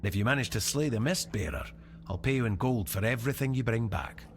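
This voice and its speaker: An actor playing a weary, proud tribal warrior in a fantasy role-playing game, speaking gravely and deliberately with a fatalistic air. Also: male voice, medium pitch, lively intonation, a little hiss or hum, natural voice. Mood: grave, instructive. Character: weary, proud tribal warrior man camped at sealed doors.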